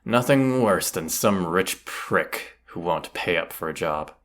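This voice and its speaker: A man's voice: low voice, expressive, takes it slowly, fairly bright tone, heavily acted. A man playing a cocky, teasing, commanding bandit leader in a roleplay audio drama, casual and swaggering. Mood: wry, commanding. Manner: casual, teasing, swaggering, rhetorical tag questions.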